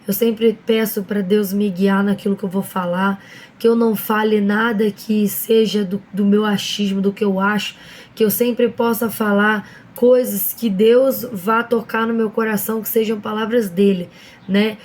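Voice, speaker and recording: A hoarse woman hosting a casual devotional talk, addressing viewers directly with frequent fillers and reading Bible verses slowly and deliberately. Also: medium pitch, fairly even intonation, darkish tone, a little hiss or hum. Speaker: online devotional host.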